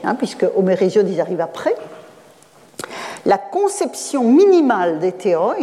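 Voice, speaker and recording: A woman's voice: mid-range voice, mellow, long reverb tail. A woman professor giving an academic lecture, explaining at length with fillers and self-corrections. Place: lecture hall.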